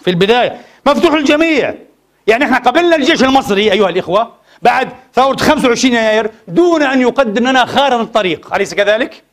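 A man preaching a Friday sermon in a mosque, speaking. His voice sits very high and races along at a breakneck clip. He presses the congregation with impassioned rhetorical questions. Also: animated, very fast.

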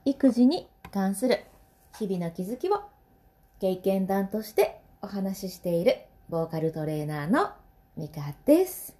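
A woman in her thirties with a Kansai accent talks through her solo podcast in a chatty, easy way. Her voice is mellow, and her pitch rises and falls in lively swings. She laughs often between phrases. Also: unhurried. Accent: Kansai Japanese. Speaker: podcast host and vocal trainer. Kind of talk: casual solo podcast talk.

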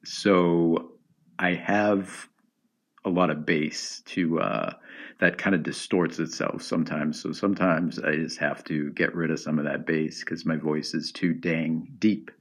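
Deep-voiced man hosting a rambling podcast. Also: steady tone, measured pace. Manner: rambling, with frequent ums and restarts. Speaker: podcast host. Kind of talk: casual solo podcast monologue. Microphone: iPod built-in microphone.

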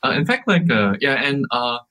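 A man's voice: medium pitch, big pitch swings, normal speed, bright, forceful tone. A man who co-founded a startup, answering interview questions casually, with many fillers like "like" and "uh" and frequent restarts. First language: English.

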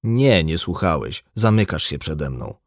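A man doing a gruff drunk doctor. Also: a bass voice, sing-song, measured pace, dry recording, clean studio sound, full character voice. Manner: blunt, gruff, lecturing. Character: drunk embittered male ship's doctor, blunt. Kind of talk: audiobook dialogue.

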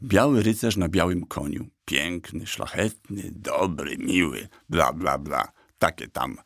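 A man's voice: fairly low pitch, animated, normal speed, vocal fry, darkish tone, slightly rough, no room sound, clean studio sound, heavily acted. A man voicing a cheeky little black horse. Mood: sly. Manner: sly, mocking storyteller. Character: small black talking horse, cheeky and boastful. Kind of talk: audiobook character voice.

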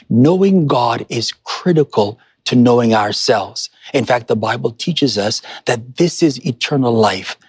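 Preaching to an online congregation, this male pastor gives a motivational sermon in a husky, mid-range voice. He's emphatic, tells listeners directly what to do, and leans on repeated key phrases. The recording is dry.

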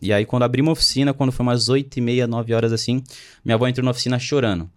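A guest in his twenties tells his story quickly at a medium pitch. The talk is a laid-back, slangy chat, peppered with quotes of what people said to him.

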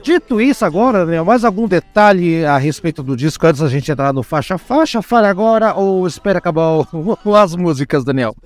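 Animated Brazilian man with a Curitiba accent. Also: high-pitched, fairly quick, few pauses, faint music behind. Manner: animated, chatty, laughs often, many fillers. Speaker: podcast host. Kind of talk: casual podcast chat about music albums.

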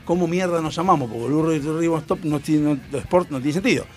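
A man's voice: a little high, brisk, darkish tone, faint music behind. A young man with a Rioplatense Spanish accent telling a story in casual, crude slang and acting out quotes. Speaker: storyteller host.

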